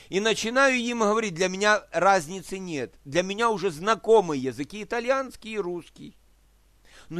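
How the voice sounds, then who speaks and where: In a dry recording, a man with a high-pitched voice preaches a sermon. He works through scripture using examples and rhetorical questions, checking that his listeners follow and asking them to agree.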